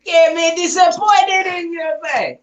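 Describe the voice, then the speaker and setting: A woman's voice: very high-pitched, unhurried, dull audio, pitched above the performer's own voice. A woman doing a brash bloke, fake Australian accent. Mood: cocky. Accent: put-on Australian. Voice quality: loud, cocky and teasing. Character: brash male bloke with a put-on Australian twang.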